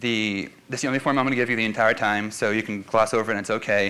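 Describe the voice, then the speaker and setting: With a bright, sharp tone, a man speaks at a fairly low pitch and fairly even intonation. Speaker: data scientist presenting at a tech meetup. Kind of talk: short tech presentation. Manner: fast; casual with fillers.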